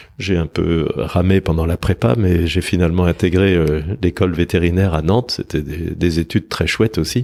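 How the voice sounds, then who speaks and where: Hardly any pauses break this dark, mellow voice, which keeps a moderate pace and ordinary pitch variation. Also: man, very deep, low pitch for a man. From western France, Vendée (Les Sables-d'Olonne). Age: 60s. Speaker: business leader, former veterinarian. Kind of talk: podcast interview. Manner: hesitant, many fillers.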